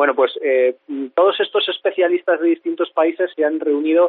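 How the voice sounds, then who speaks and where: The speaker has a Castilian accent and ordinary pitch variation. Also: man. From Spain. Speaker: science news correspondent. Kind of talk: news report.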